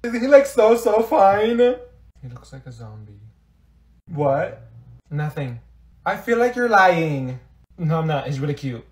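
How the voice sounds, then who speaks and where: Casting: man to voice sassy teenage girl, high voice, complaining and dramatic, school comedy. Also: sing-song, slow pace, a little mellow, echoey room, full character voice. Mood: gossipy.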